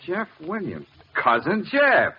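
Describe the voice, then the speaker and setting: An actor playing a breezy, wry detective-for-hire in 1940s radio style. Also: male voice, high voice, wildly swooping pitch, slow pace, husky, exaggerated voice. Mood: amused. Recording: muffled old radio with faint noise.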